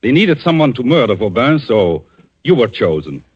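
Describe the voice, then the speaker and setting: A man playing a calm, vengeful avenger in a 1940s radio drama, speaking in a measured, theatrical way on a dull old broadcast recording. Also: medium pitch, husky. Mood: accusing.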